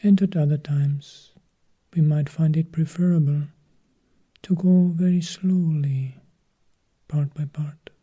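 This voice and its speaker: A man, a Buddhist monk, guiding a meditation in a calm, measured way, with long pauses and a soft, often half-whispered voice. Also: on the high side, slightly rough, lo-fi sound. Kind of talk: guided meditation instruction.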